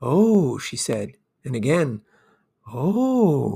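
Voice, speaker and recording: A man's dark, mellow, somewhat breathy voice moves very slowly through very wide pitch swings. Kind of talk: literary audiobook reading, scripted narration with character voices. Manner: clear, expressive, lightly amused tone.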